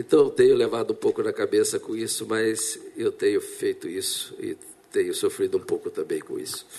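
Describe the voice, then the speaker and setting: A man speaks at an extremely high pitch in a flat, monotone way. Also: moderate pace. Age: 70s. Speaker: playwright and TV novela writer. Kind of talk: interview. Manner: halting, with many repetitions.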